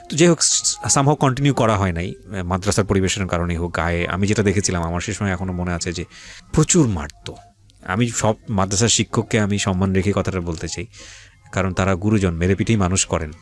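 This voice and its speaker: A man hosting a radio interview, asking probing questions and sharing reflective asides. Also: on the low side. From Bangladesh.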